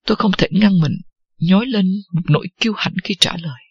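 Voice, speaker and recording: An audiobook narrator reading a first-person novel at a steady, unhurried pace. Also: mid-range voice, vocal fry, slightly rough, no echo, dull audio.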